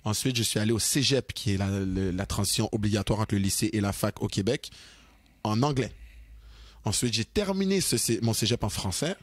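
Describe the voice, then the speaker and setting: A young man with a Québécois French accent, co-hosting a podcast in casual, animated chat, mixing in English and slang. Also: fairly low pitch, a little fast, dry recording. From Quebec, Canada. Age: young adult. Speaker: podcast co-host.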